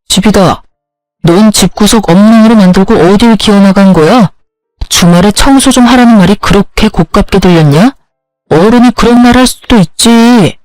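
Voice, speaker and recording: A woman's voice: medium pitch, darkish tone, no echo, lightly acted, rough recording. A woman reading as a defensive, irritable husband. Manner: blunt, defensive complaining.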